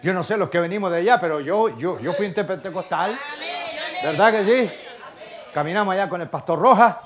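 An older man preaching in a Chilean accent, his voice sitting unusually high for a man. He moves from hushed, confiding asides to shouted exclamations and keeps pressing the congregation with questions. A faint murmur of the congregation sits behind him. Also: fairly quick, some chatter behind. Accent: Chilean Spanish. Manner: fervent, swings from quiet asides to shouted exclamations. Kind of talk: sermon. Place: church service.

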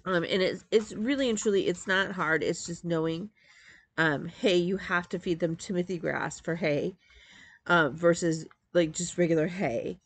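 A woman's voice: on the low side, normal speed. A woman in her forties with a congested, nasal voice, chatting casually to a webcam at home, rambling with many ums and restarts. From Metro Detroit, Michigan. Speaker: crafting vlogger. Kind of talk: casual chat to camera. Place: home craft room, indoors. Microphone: webcam at desk.

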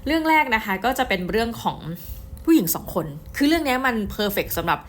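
A middle-aged woman giving a casual book review, chatty and excitable, often speaking straight to her viewers. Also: a little high, fairly quick, slight background noise. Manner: chatty, addresses viewers directly, excitable storytelling.

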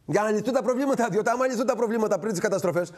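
A man's voice: high-pitched, darkish tone. A middle-aged man hosting a TV current-affairs show, delivering an indignant political monologue full of rhetorical questions and long lists. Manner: indignant, rhetorical, repetitive lists and direct address. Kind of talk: impassioned political commentary monologue.

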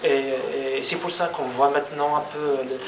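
A man interviewing a writer, asking long, halting questions with many hesitations. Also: a little high, steady tone. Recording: echoey room with background noise.

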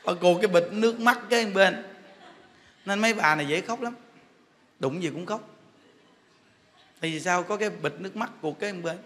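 High, bright-voiced joking monk. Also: male voice, moderate pace, long pauses. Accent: Southern Vietnamese. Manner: joking storyteller, chatty and teasing. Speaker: monk giving a dharma talk. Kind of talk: humorous sermon. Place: temple hall. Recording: long hall reverb.

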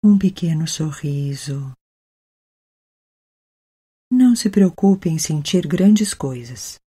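Brazilian woman, meditation guide. Mellow, husky voice, gentle and unhurried delivery. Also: low-pitched, animated. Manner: gentle, unhurried, with long pauses. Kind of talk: guided meditation, soothing narration.

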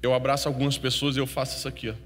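A man preaching a sermon, telling a story with feeling and swinging from hushed to loud. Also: mid-range voice, flat delivery, very fast. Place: church hall. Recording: long hall reverb with faint music.

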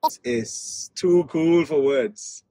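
A man from Australia hosts a car vlog with a slightly high, husky voice. He talks casually and enthusiastically, often repeating himself, as he comments from inside the car. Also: takes it slowly, dark tone, no room sound. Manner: enthusiastic, repeats phrases, hesitant with frequent repetition. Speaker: host of a car test-drive vlog. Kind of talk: casual excited live commentary.

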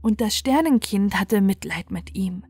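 A woman's voice: mid-range voice, animated, unhurried, a little mellow, husky. A woman reading a scripted bedtime fairy tale as its narrator.

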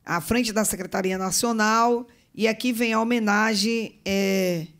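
A woman's voice: mid-range voice, fairly even intonation, a little slow, fairly bright tone. A middle-aged woman from Bahia with a Bahian Brazilian accent, chairing a meeting with formal remarks and informal asides into a table microphone. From Bahia, northeastern Brazil. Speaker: state legislator chairing a meeting. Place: legislative meeting room, indoors. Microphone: table gooseneck microphone.

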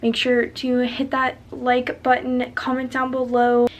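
A woman's voice: on the high side, completely flat delivery, measured pace. Chatty young woman vlogger. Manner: chatty and upbeat, lots of fillers. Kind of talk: casual vlog talk.

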